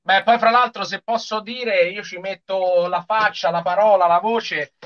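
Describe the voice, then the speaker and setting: A man's voice: high voice, fairly even intonation, measured pace. A man hosting a casual, teasing group chat over a lo-fi video call. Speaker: live show host. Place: room at home, on a video call.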